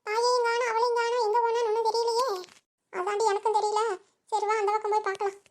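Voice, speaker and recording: A woman's voice: extremely high pitch, little pitch movement, quick pace. A woman voicing a fretful young village wife, in a cartoon. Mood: frightened. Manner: anxious, exclaims often.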